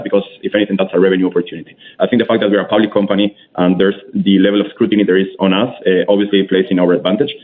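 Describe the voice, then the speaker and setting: Very fast-talking male executive on phone line. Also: on the low side, noisy background. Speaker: company executive. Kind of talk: answering questions on an earnings call. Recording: narrow, tinny phone line.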